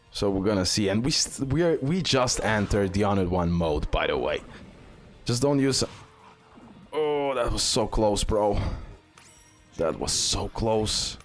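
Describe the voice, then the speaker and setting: Music plays clearly behind a man with a fairly deep voice. He talks through his gameplay at a slow pace, unscripted and casual. He tends to say short phrases several times over, as a gaming video host. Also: animated.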